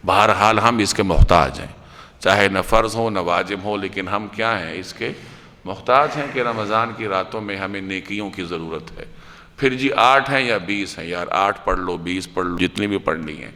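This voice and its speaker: A man's voice: sits low, pushed and bright, big-room sound. A man giving a Quran lecture as a sermon, urging his listeners with rhetorical questions and repeated lists.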